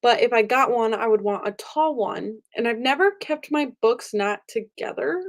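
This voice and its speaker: Young woman, book vlogger, rambly casual chat, slightly high voice, home recording. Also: expressive, moderate pace. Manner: chatty, rambling, frequent fillers. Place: home room with angled ceiling.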